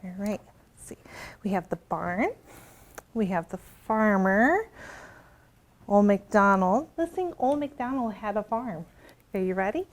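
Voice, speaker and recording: A woman librarian leading an interactive storytime for young children, expressive and asking simple questions. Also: medium pitch, unhurried, pauses often.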